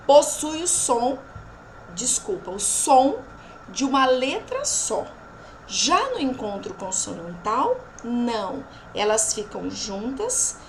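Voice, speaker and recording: This recorded remote class features a Brazilian Portuguese woman whose voice sits on the high side. She lingers slowly over example words and checks in with students after each point, and the low-quality recording has slight background noise.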